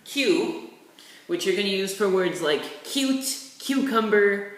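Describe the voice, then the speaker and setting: A language tutor gives a relaxed, rambling tutorial while writing characters, tossing in offhand asides. The mid-range voice is animated and slow, set back from the mic in a very echoey room with faint hiss.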